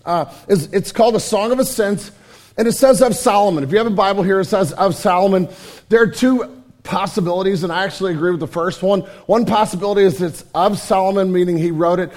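Hoarse, high-voiced male preacher. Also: fast, a little mellow. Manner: earnest, emphatic preaching with repetitions. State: hoarse, raspy from yelling. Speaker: pastor. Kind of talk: sermon. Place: church sanctuary.

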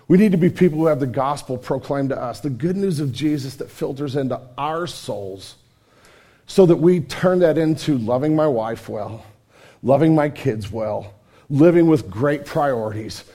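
A middle-aged pastor preaching in a church, his voice raspy and hoarse, earnest and emphatic with many repetitions. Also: medium pitch, mellow. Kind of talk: sermon. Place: church sanctuary.

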